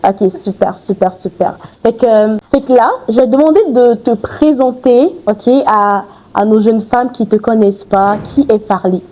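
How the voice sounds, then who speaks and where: A chatty woman hosts a podcast in a warm, mellow voice. She talks in loose, gushing runs full of fillers and restarts. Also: fairly high pitch, measured pace, hardly any pauses, low-quality recording. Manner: chatty, effusive, many fillers. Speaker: podcast host. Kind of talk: casual interview chat.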